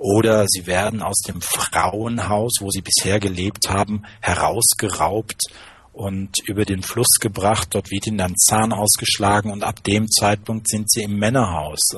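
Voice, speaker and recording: A man speaks at a fairly slow pace. His voice sits fairly low, with monotone, flat intonation. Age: 50s. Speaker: doctor running a father-son camp. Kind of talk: interview.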